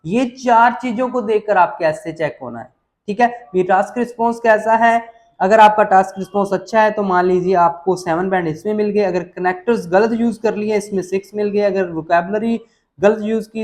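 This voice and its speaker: A man's voice: high voice, a little mellow. A man teaching exam essay writing, walking students through examples and repeating his warnings with emphasis. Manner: emphatic, repeats warnings, addresses viewers as kids. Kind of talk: explaining on-screen examples to students.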